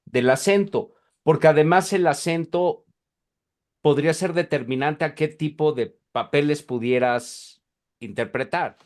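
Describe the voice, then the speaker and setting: A man's voice: on the high side, a little slow. A man from Mexico with a Mexican accent, hosting a podcast interview and often repeating words as he talks. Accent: Mexican Spanish. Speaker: podcast host. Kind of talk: casual interview.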